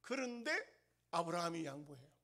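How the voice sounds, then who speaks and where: A male pastor preaching a sermon, emphatic and repetitive, asking the congregation questions and swinging between loud bursts and soft asides. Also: fairly high pitch, very animated, a little fast, creaky. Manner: emphatic, repeats lines, asks the congregation questions.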